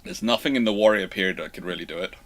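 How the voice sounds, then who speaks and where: Low-voiced man, halting and thinking aloud. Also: lively intonation, fairly bright tone. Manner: halting, thinking aloud, often restarting mid-sentence. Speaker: host of naval history live Q&A. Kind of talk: off-the-cuff answers to audience questions.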